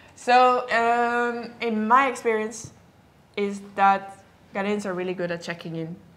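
Lively intonation and a fairly slow pace mark this voice with a Dutch accent. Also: woman. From Netherlands. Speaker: vlogger. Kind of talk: casual chat. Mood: relaxed, thoughtful, sometimes amused. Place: home room.

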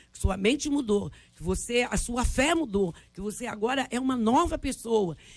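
A woman's fairly high voice with very wide pitch swings at a moderate pace, dry with no echo, over a quiet background. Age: 60s. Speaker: pastor. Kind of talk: radio panel debate. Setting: radio studio. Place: studio.

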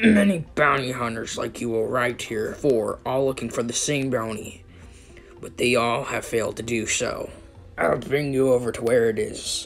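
A man puts on a character voice at a medium pitch. He goes at a moderate pace, and background noise is clearly heard. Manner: calm, terse, solemn.

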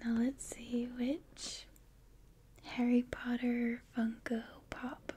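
A soft-spoken woman talks in a high pitch with a gentle, dark, mellow tone and monotone, flat intonation, over light background noise. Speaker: ASMR creator. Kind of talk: ASMR vlog intro to camera. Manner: soft, gentle. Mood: warm, gentle. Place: home room. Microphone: studio mic.

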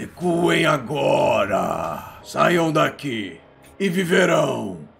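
Putting on a character voice, a man draws out his words at a very slow pace. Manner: commanding, menacing.

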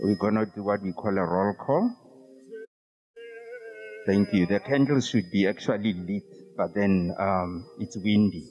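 There is light background noise behind this man. He speaks at a fairly slow pace with a fairly low pitch. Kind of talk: funeral address. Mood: solemn, subdued. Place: open country. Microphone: handheld.

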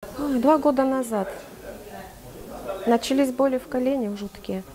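With noticeable background noise behind her, a woman speaks at a high pitch and a fairly slow pace, with ordinary pitch variation. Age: 60s. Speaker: retiree, rehabilitation patient. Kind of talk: testimonial interview answer. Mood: calm, warm, positive. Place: gym. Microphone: camera far.

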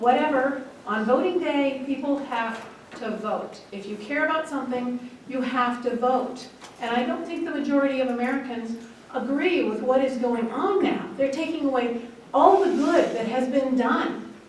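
A woman speaks at a high pitch and moderate pace with ordinary pitch variation. There is audible room echo and light background noise. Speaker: audience member. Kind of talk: public comment statement. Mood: indignant, earnest. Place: hall.

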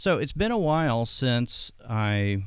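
A man speaks against a quiet background, and the sound is dry with no echo. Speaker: art instructor. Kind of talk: tutorial. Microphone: studio mic.

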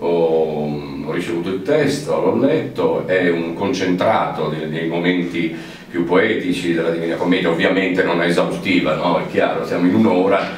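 A man with a very deep, low pitch talks at a moderate pace with ordinary pitch variation, audible room echo and light background noise. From Italy. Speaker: stage actor. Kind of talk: interview answer. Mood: warm, appreciative. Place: home room.

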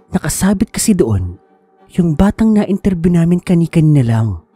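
Over background music, a man with a high pitch delivers lines in a dramatic tone at a moderate pace, his intonation lively and the sound dry and close with no echo. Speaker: horror story narrator. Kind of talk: ghost story telling, narrated first-person horror tale with dialogue. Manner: hushed, suspenseful, dramatic pacing with tense, urgent delivery in the frightened scenes; polite, formal-toned storytelling, shifting between narration and character voices.

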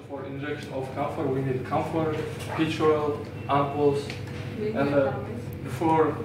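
A man at a moderate pace with fairly even intonation, amid audible room echo and noticeable background noise. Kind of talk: class presentation. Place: classroom. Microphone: camera far.

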